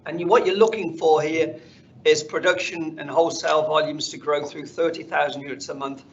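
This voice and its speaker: A man speaking as a company finance executive, presenting slides on an earnings call in a measured corporate delivery. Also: on the high side, steady tone, creaky. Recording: dull conference call audio, faint noise.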